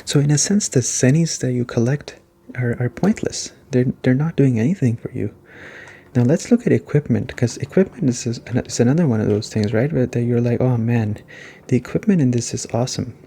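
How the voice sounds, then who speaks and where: A man giving a soft-spoken ASMR gaming review, talking conversationally and repeating his points for emphasis. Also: medium pitch, a little fast, gravelly, husky. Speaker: game reviewer.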